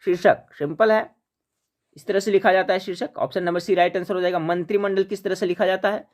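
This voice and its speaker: Higher-voiced man teaching exam questions. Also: steady tone, quick pace. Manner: addresses viewers as friends, repeats "remember", asks then answers. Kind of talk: quiz-style Hindi grammar lesson.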